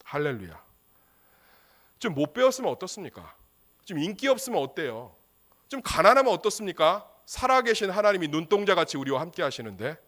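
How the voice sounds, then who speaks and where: Brief: male pastor, emphatic humorous sermon, slightly high voice with a very lively pitch. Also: a little fast. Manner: emphatic, humorous, rhetorical questions.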